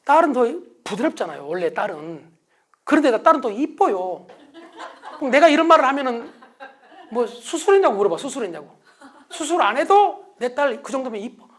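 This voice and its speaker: A man's voice: extremely high pitch, sing-song, a little fast. A middle-aged man giving a motivational lecture, asking the audience questions and answering them himself. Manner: acts out shouted family calls. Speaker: success lecturer.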